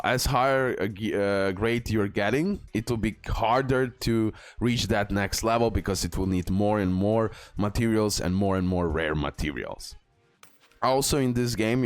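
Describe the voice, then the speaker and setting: A gaming YouTuber with a low voice gives a casual guide over gameplay, instructional and repetitive, dropping frequent check-in tags. The recording is dry, with music playing behind his commentary.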